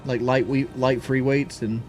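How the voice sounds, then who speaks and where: Brief: male streamer, casual rambling chat, winded, mid pitch, desk mic, faint music behind. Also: level tone, unhurried. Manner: rambling, repeats words, swears casually. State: out of breath after a workout. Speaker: live streamer.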